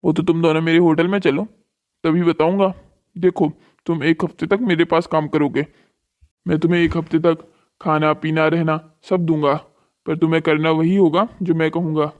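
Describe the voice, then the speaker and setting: A man's voice: a little high, little pitch movement, moderate pace, a little mellow, highs cut off, lightly acted. A man voicing a stern, exploitative hotel boss in a cartoon story, with a commanding manner. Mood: persuasive. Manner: bossy, commanding. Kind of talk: scripted cartoon story dialogue.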